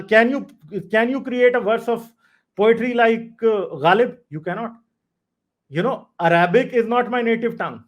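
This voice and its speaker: Man, high voice, forceful argumentative talk, call-in show host. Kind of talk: call-in debate.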